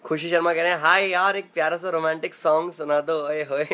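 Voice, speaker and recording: A man's voice: a little high, level tone, fairly quick, bright, forceful tone. A young man hosting a casual live stream from his room at home, chatting playfully and greeting viewers by name as he reads their comments aloud.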